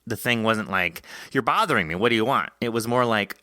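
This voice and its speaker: Bright-voiced low man in a dry room. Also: lively intonation, fairly quick, no room sound. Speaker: podcast host interviewing an author. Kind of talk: casual discussion of a horror story.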